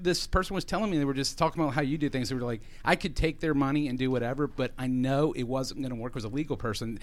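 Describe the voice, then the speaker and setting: A man hosting a radio interview in a studio, joking and rambling in casual chat. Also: medium pitch. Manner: quick, jokey, rambling. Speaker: radio show host.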